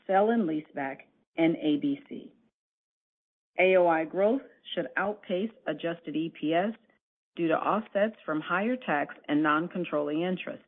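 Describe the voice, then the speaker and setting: A woman company executive giving a formal, scripted earnings presentation in a measured, deliberate way over a conference call line. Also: lowish voice, slightly rough. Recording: narrowband phone conference line.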